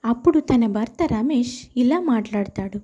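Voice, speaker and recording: A woman's voice: fairly high pitch, expressive, normal speed, mellow. A woman narrating a scripted moral story as its storyteller, on slightly dull audio.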